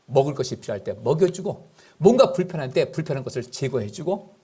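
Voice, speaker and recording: A man's voice: on the high side, sing-song, fast talker, warm tone, husky. A middle-aged male pastor preaching a sermon in a conversational way, often asking the congregation questions.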